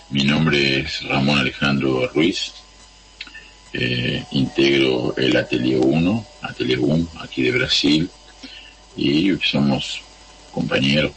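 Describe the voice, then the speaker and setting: A man with a Rioplatense accent, originally from Argentina, sending a recorded greeting to a radio show and speaking haltingly as he searches for words. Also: very deep voice, a bit bright, slight background noise, low-quality recording. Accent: Rioplatense Spanish.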